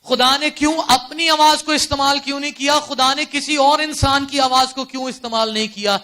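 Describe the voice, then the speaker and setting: This pastor has a very high voice, a steady tone and a Pakistani accent, and he preaches to a church congregation during a service. His sermon pelts listeners with rhetorical questions, swinging from quiet storytelling to loud exclamations.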